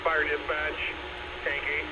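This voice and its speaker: A man's voice: a little high, completely flat delivery, takes it slowly. A male firefighter giving terse procedural radio traffic over a two-way radio. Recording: muffled radio scanner, very loud noise.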